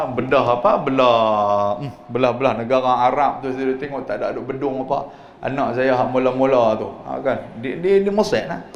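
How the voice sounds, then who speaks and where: Animated preacher with a northern Malay accent. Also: male voice, fairly high pitch, dull audio. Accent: Northern Malay (Kedah-Penang). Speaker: religious teacher. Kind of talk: mosque sermon-lecture on Quran commentary. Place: mosque lecture hall. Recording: echoey live-stream hall audio with faint hum.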